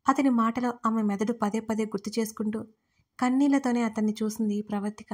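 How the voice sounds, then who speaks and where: A woman narrating an audio love story in a steady, scripted way. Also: a little high, fairly quick.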